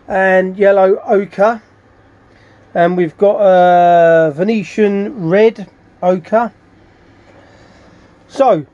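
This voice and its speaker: A middle-aged man giving a casual hands-on tutorial as a restorer, haltingly thinking aloud as he works. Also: high voice, dark tone, muffled recording. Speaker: furniture restorer demonstrating his work. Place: small cluttered indoor workshop.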